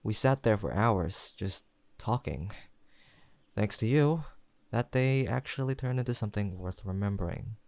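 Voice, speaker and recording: A young man playing a sentimental, teasing longtime best friend in an intimate audio roleplay, pausing for an unheard listener. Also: lowish voice, lively intonation, vocal fry, no room sound. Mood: reflective storytelling. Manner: soft-hearted, playful banter with pauses for an unheard listener.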